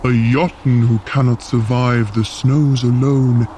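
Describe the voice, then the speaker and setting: A man plays a tall frost giant in a fantasy audio drama. He is proud and earnest, choosing formal words at a slow, measured pace. His voice sits at a middling pitch with clear outdoor noise behind it. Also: steady tone, warm tone, lightly acted. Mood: grave. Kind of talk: scripted audio drama acting.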